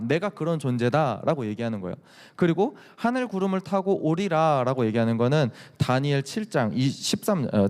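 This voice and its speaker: A man preaching a sermon as youth pastor, telling the story in an animated way and acting out the quotes. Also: mid-range voice. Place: church sanctuary. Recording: reverberant church hall.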